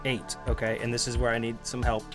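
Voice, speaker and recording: A man running a tabletop game in a casual, halting way, narrating and checking rules as he goes. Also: medium pitch, completely flat delivery. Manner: halting, unsure, learning the rules. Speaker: game master. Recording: music playing behind the voice. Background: music.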